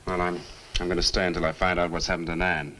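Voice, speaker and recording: A man's voice: deep voice, little pitch movement, quick pace, bright, forceful tone. An actor playing an earnest, polite and hesitant young man in a 1960s horror film. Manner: hesitant, courteous, skeptical. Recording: noisy old film soundtrack.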